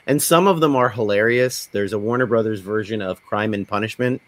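A man's voice: fairly low pitch, brisk, dry recording. A man hosting a podcast, chatting casually and wandering off into anecdotes. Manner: digressive, anecdote-telling. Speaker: podcast host. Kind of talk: casual conversational chat.

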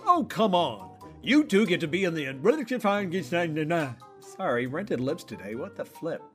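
A man's voice: on the high side, very animated, slow, faint music behind. A man voice actor clowning around between lines in a recording session.

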